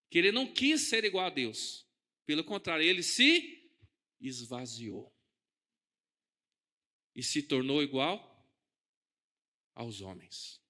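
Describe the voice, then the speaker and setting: A man with a Brazilian Portuguese accent preaching a sermon in a church. He talks in a conversational way, asks the congregation questions and swings between soft and loud. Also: on the high side. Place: church hall.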